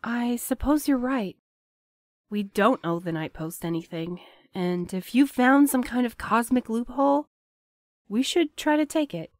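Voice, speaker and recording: A woman playing a gentle, hesitant, romantic young courier in an audio drama, thoughtful and a little awkward. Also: on the high side, animated, measured pace, no room sound, studio quality. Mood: wary, wistful.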